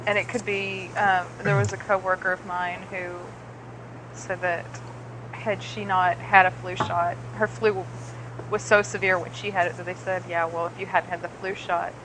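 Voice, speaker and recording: A woman's voice: fairly low pitch, flat delivery, normal speed, background noise. A woman chatting casually over a call, blunt and emphatic, swearing freely when she gets worked up. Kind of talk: casual chat. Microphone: remote call.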